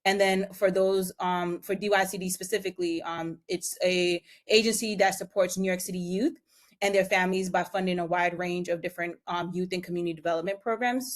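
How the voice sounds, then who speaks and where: A woman hosting a community committee meeting who introduces her guests in a brisk way. Her voice sits somewhat low, and she speaks at a quick clip. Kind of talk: meeting moderation.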